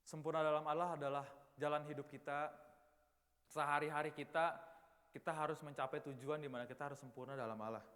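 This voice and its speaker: A man's voice: a little high, fairly even intonation, quick pace, a bit bright. Young man preaching in a reverberant hall. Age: 20s. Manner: casual, chatty, banters with the audience. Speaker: youth preacher. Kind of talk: youth sermon. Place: church hall.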